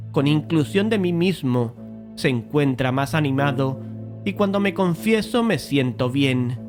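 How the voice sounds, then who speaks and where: A brooding painter recounting a macabre tale for a dramatized horror audiobook. His voice sits a little high for a man. He tells it in a measured, deliberate manner, with music clearly playing behind him. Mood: reflective. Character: first-person painter narrator of a macabre tale, brooding, male.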